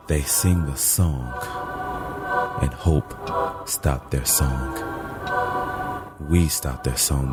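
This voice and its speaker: A weary, cynical survivor acted by a man tells his story in an audio drama. His voice is very deep and his pacing slow and wry, with loud music behind. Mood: grim, reluctant. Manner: wry, streetwise, deliberate. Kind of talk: dramatic first-person audio drama narration.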